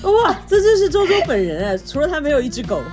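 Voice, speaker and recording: A woman's voice: high-pitched, sing-song, music in the background. Teasing, joking woman co-host. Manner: joking, teasing, quick asides. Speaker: podcast co-host. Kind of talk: casual chat.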